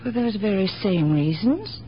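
An older actress playing a gentle, philosophical, quietly stubborn elderly aunt in a 1970s radio drama, musing in tidy maxims. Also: female voice, medium pitch, sing-song, normal speed, natural voice. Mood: earnest, philosophical. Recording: dull, noisy 1970s radio broadcast recording.

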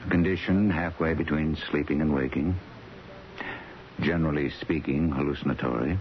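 A muffled, faintly noisy radio recording of a grave doctor. The voice is extremely low, and the delivery is measured and sombre, in radio-play style. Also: male voice, steady tone. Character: grave, measured male doctor keeping bedside vigil. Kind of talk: radio drama acting. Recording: dull, slightly noisy radio broadcast.

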